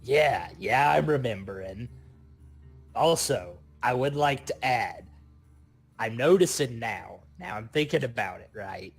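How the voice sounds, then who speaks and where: A man voicing an eager, wary goblin demolitionist in a tabletop game, excitable and wisecracking. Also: mid-range voice, measured pace, creaky, breathy edge, soft background music, exaggerated voice. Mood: wary, suspicious.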